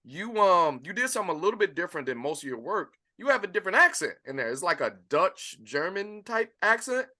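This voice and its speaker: A male podcast host with a fairly high voice asks long, wandering questions. His tone is bright and easygoing. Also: big pitch swings, brisk, few pauses. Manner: loose, rambling questions. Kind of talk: casual interview chat.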